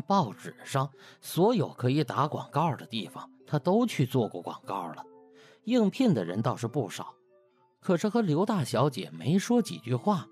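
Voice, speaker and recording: A man narrating a comic novel in an expressive, colloquial storytelling style. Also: medium pitch. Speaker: audiobook narrator.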